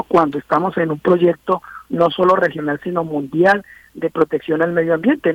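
A man analyzing politics as a radio interview guest, thinking aloud with many pauses and restarts. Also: fairly high pitch, no room sound. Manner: thoughtful, many hesitations and restarts. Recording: tinny phone line, dry.

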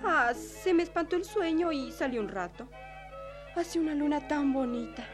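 A woman's voice: sits high, animated, moderate pace, over music. Toña, evasive young woman played by an actress. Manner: evasive, defensive.

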